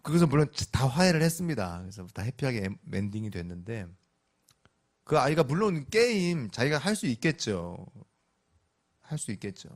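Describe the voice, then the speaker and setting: Middle-aged man preaching, lively storyteller, pitch swings a lot. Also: moderate pace. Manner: lively storytelling, animated voices. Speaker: pastor. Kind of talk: sermon.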